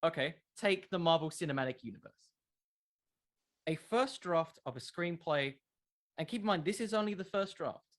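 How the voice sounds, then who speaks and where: A man's voice: fairly high pitch, animated, moderate pace, a bit bright. A man speaking as a podcast creator in a casual interview, conversational and emphatic, with a self-deprecating way of talking.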